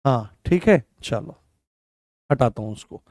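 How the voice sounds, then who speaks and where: A man's voice: mid-range voice, expressive, takes it slowly, a little mellow, no echo, studio quality. Repetitive man teaching an online class. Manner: repeats key phrases many times while writing on a board; asks questions and answers them himself. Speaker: exam coaching teacher.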